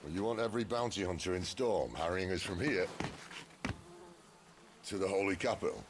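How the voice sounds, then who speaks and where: An actor playing a roguish, wry, middle-aged outlaw in a video game, with a British accent and a gravelly, folksy delivery. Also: male voice, low-pitched, animated, noisy background. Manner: wry, folksy, unhurried banter. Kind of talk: cinematic video game acting.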